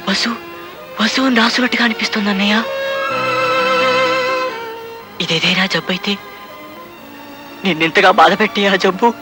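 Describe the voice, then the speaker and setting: Lovesick weeping young man. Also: high-pitched. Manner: tearful, pleading. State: crying. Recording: film soundtrack under background music.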